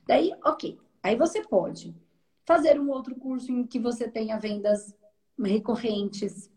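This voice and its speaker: A woman with a Brazilian accent, speaking in a fairly high voice as an energy therapist mentoring a student. She explains in an animated, conversational way and often asks whether her point has landed. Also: a little slow. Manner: animated and explanatory, often checking understanding with tag questions.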